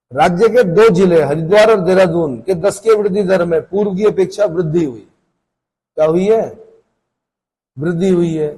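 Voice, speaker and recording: A man's voice: high-pitched, dark tone, breathy edge, rough recording. A man teaching an exam-prep class, lecturing casually and asking questions that he answers himself. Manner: conversational, asks questions and answers them himself.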